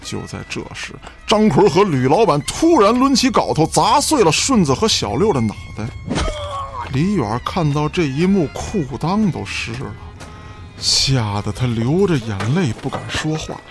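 Creaky, animated male drama narrator. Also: on the high side, unhurried, music in the background.

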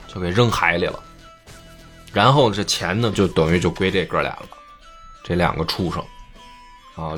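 A man's voice: low-pitched, a bit bright. A man telling a folk tale in a chatty, joking way with asides. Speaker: storyteller. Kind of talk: casual comic storytelling.

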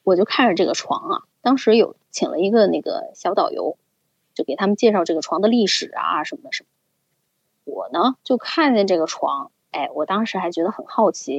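Young woman, lively storyteller, husky edge, slightly dull dry recording. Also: medium pitch, a little fast, dry recording. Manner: animated, chatty storytelling with fillers. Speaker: podcast co-host. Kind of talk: casual storytelling.

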